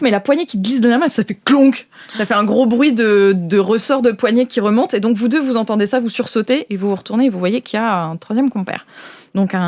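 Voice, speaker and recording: A woman narrating an improvised role-playing game as game master, informal and halting, often repeating her words. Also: on the high side, darkish tone.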